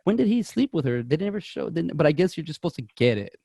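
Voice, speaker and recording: A man's voice: a little high, very animated, fast, gravelly, dark tone, husky, no echo, studio quality. A man co-hosting a movie podcast, chatting casually with lots of restarts and laughter. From Mexican heritage. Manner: rambling, laughing, stumbling restarts. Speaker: podcast co-host. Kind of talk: casual chat about movies.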